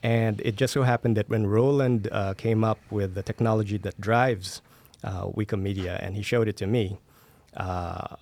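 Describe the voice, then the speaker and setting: A man's voice: lowish voice, fairly even intonation, moderate pace, a little mellow. A man from the Philippines speaking as an interview guest, explaining his work conversationally. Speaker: interview guest, audio studio owner.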